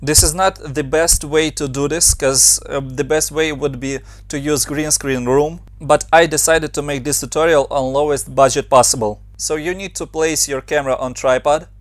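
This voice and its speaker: A young man from Ukraine with a Ukrainian accent, calmly talking through a software tutorial step by step. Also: fairly high pitch, normal speed, hardly any pauses, no echo. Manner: steady step-by-step instructions in non-native English. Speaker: motion design tutor. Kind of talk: screen-recorded software tutorial.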